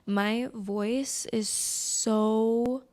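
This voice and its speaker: A woman with a slightly high, darkish voice hosts a solo American podcast, talking very slowly with fairly even intonation. The casual, chatty delivery comes through a close mic and sounds scratchy and somewhat congested.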